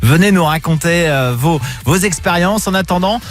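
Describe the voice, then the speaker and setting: A man hosting an evening call-in radio show, relaxed and teasing, with many fillers and a studio mic. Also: on the high side, moderate pace, soft background music. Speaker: radio host.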